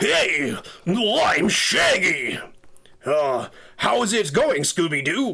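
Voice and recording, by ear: A gruff, put-on character voice at a middle pitch, spoken at a very slow pace with long, frequent pauses.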